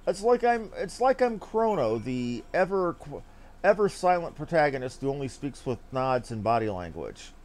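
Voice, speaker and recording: A man's voice: fairly high pitch, very animated, moderate pace, darkish tone, a little hiss or hum. A man giving casual gameplay commentary as a streamer, musing aloud with playful asides. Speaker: game streamer.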